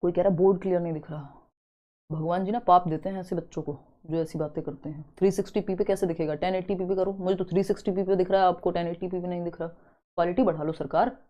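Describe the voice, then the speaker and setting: A young woman teaching a live online exam-prep class, chatty and teasing, slowly spelling out word examples. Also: lowish voice, steady tone, dark tone, lo-fi sound. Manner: chatty, teasing students between explanations.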